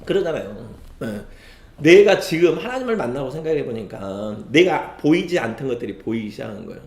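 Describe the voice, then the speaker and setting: A man's voice: mid-range voice, very animated, brisk, creaky. A male pastor preaching a sermon, telling a story with many affirming interjections. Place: church sanctuary. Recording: echoey church sanctuary.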